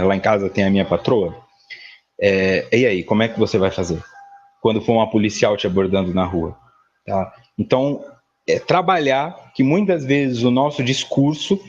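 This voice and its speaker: A man's voice: mid-range voice, darkish tone, highs cut off. A male psychologist leading a spiritual study class, explaining a text in a conversational way and often checking in with his listeners. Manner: conversational, frequent "tá?" tag questions; explains a read text with everyday examples.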